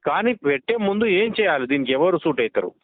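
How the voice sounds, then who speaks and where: A man's voice: a little high, big pitch swings, quick pace. A man arguing his point firmly over a leaked phone call, with many hesitations. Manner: emphatic, argumentative, frequent hesitations. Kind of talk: phone conversation, opinionated.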